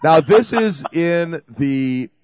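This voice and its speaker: A man's voice: on the high side, lively intonation, slow, darkish tone, no room sound. A man hosting a call-in radio show, talking in a chatty, rambling, jokey way while he has a cold. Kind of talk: casual call-in radio talk. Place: radio studio.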